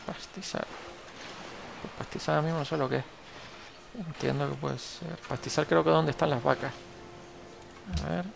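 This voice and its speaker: Gravelly Canarian Spanish man thinking aloud. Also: a little high, fairly even intonation, normal speed, pauses often, noisy background. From Canary Islands, Spain. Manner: rambling, self-correcting, thinking aloud. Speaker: gameplay tutorial host. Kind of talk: casual gameplay commentary.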